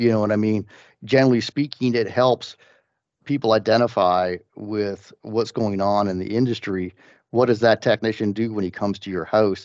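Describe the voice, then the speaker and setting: Using an ordinary speaking voice, a man talks at a moderate pace and a fairly low pitch, with fairly even intonation. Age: 50s. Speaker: refrigeration engineer and trainer. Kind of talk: podcast interview.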